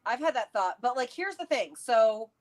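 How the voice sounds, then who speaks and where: A woman chatting casually and excitably, theorizing and thinking aloud as co-host of a livestream. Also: a little high, normal speed. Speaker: co-host of a book read-along livestream. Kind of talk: casual chat, theorizing about a fantasy novel.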